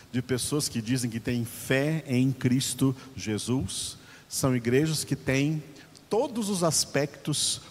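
A man delivers a Bible teaching sermon at an unhurried pace, his voice a little husky. He stresses and repeats each key point, and his pitch rises and falls a lot. The recording carries a long hall reverb. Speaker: preacher.

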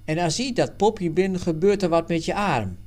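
A man reading aloud and voicing Stoefzaand, an adult man who is a skeptical, quick-tempered friend with a blunt manner. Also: sits high, expressive, darkish tone, voice pushed up.

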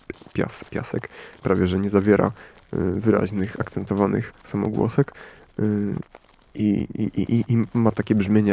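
A man hosting a radio talk show, musing slowly with many hesitations and fillers. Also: fairly low pitch, vocal fry, dark tone. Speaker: radio host.

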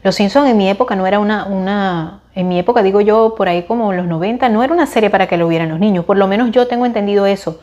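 A woman in her forties with a Venezuelan accent talks casually to the camera and shares her opinions. Her voice sits in a middle pitch range. She speaks in a chatty, expressive way, often restarting her sentences. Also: fast talker, hardly any pauses, dull audio. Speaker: vlogger recommending series and films.

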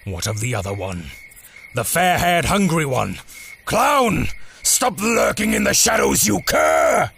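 A gravelly, cruel carnival master, delivers pompous decrees at a slow pace. The pitch rises and falls theatrically, in audio drama style. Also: male voice, huge pitch swings, a bit bright, a little hiss or hum, heavily acted. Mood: angry summons. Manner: pompous, grandiloquent, commanding. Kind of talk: dark audio drama villain acting.

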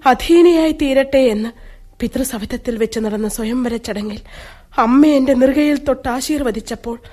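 A woman's voice: high voice, a little mellow. A woman with a Malayali accent, playing Draupadi, a grieving and devoted young royal wife, in a pleading, earnest radio play delivery. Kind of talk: 1970s-style radio drama acting.

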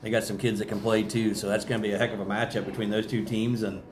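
A man's voice: lowish voice, little pitch movement, fast, a little hiss or hum. An American man, a basketball coach, giving plain, folksy commentary in a casual interview. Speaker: high school basketball coach.

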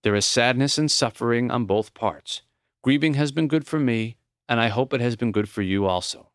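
A man reading the lines of a gentle, reflective old dying professor in a memoir audiobook, earnest and plain-spoken. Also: mid-range voice, moderate pace, no room sound, clean studio sound, lightly acted. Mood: gracious.

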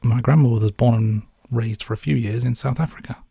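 A man's voice: mid-range voice, a little fast, gravelly, dark tone, slightly rough, dry recording, studio quality. A man presenting a podcast as co-host, moving between scripted narration and casual chat.

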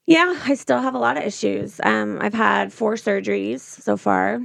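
Woman with a creaky, fry-laden voice. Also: mid-range voice, normal speed, no echo, studio quality. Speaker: interview guest. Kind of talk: personal account in a conversational interview.

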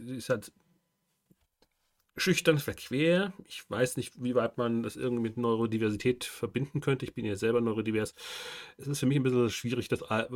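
A man hosting a podcast, talking casually through his ideas and often pausing and restarting his sentences. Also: medium pitch. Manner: thinking aloud with many fillers and restarts. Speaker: podcast host and game master. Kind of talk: casual monologue.

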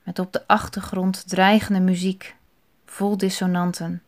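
Slow, thoughtful woman reflecting softly. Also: on the low side, level tone. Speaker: speaker reflecting on a psalm. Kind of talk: reflective spoken meditation.

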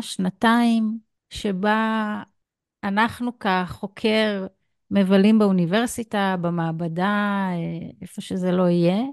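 A woman's voice: mid-range voice, vocal fry, darkish tone, clean tone, dry recording, studio quality. A woman with an Israeli accent hosting a conversational podcast interview. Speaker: podcast host.

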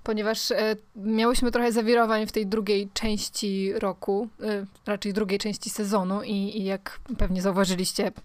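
A woman's voice: mid-range voice, little pitch movement, normal speed, few pauses, dry recording. A woman co-hosting a podcast, chatting casually and directly to listeners. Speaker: podcast co-host.

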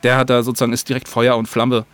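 A man's voice: mid-range voice, completely flat delivery, fast, smooth, no echo, faint music behind. A man talking casually as a podcast guest, explaining in a rambling, colloquial way. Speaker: guest, audio drama writer and producer. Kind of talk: casual podcast interview talk.

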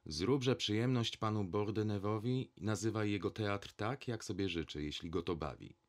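Man doing a calm ironic journalist, dry delivery, deep voice, storybook reading. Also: moderate pace, lightly acted. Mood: persuasive.

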